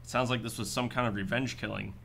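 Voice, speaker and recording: A man's voice: mid-range voice, steady tone, a little fast, gravelly, sharp tone, slight background noise. A man playing a laid-back, sardonic private detective in a sci-fi radio drama, with a dry, offhand manner. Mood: businesslike. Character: wry, laid-back male private detective in futuristic Boston. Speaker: actor in a radio play.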